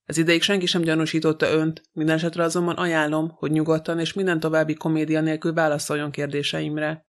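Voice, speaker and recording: A stern French police detective, curt and cold, as a male reader voices him in an audiobook. He speaks in a slightly high, almost unmoving tone. Each word is clipped and dry. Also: monotone, lightly acted.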